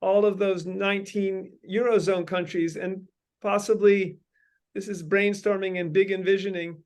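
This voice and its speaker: Male host, high smooth voice, halting delivery with frequent fillers, long rambling sentences. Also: little pitch movement, a little mellow. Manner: halting, many ums and uhs, long winding sentences. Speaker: host leading a meeting. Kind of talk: brainstorming meeting talk.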